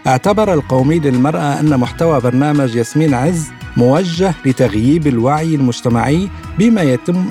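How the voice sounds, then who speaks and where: A man co-hosting a radio show, reading news items and discussing them in a measured, formal way. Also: a little high, warm tone. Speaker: radio co-host.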